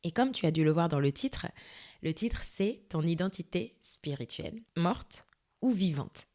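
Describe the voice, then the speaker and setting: A young woman hosting a faith-based self-help podcast, talking straight to the listener and often checking in with a quick question. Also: fairly low pitch, animated, darkish tone. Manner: conversational, addresses listener directly with frequent "ok?" and "tu vois". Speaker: podcast host.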